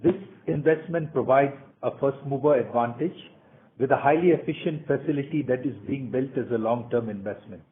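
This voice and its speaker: A man's voice: medium pitch, a little fast, slight background noise. A man in the role of a company executive, formally reading prepared remarks for an earnings call presentation. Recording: tinny, narrow phone conference line.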